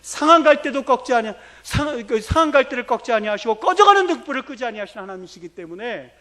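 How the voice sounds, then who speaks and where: A male pastor preaching a sermon, acting out quoted lines with sudden swings between loud and hushed. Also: extremely high pitch, animated, quick pace.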